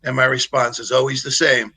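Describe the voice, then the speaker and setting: A man who trains public speakers, giving practical advice in a relaxed, joking way over a video call with a lapel mic. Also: medium pitch, a little fast, creaky, slightly rough. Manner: practical, explanatory, jokes easily. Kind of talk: casual coaching advice on a livestream.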